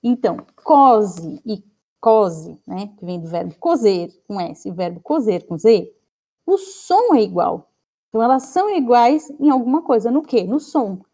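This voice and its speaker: A woman's voice: on the high side, sing-song, a little slow, warm tone. A woman with a Brazilian Portuguese accent teaching a grammar lesson in an online class, explaining patiently and ending phrases with "né?" and "tá?". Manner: explanatory, frequent "né?" and "tá?" tags.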